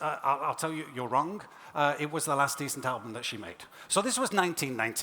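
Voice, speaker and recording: A man's voice swings very widely in pitch, with a bright, sharp tone. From UK. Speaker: tech company product strategist. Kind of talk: conference keynote. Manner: conversational, animated.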